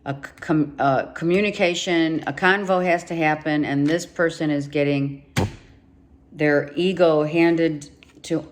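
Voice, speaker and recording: A woman giving a monthly tarot reading, emphatic and repeating herself, her voice going hoarse with some coughing. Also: low-pitched, steady tone, unhurried, a little hiss or hum. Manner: emphatic, repeats herself, talks straight to the viewer. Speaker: tarot reader.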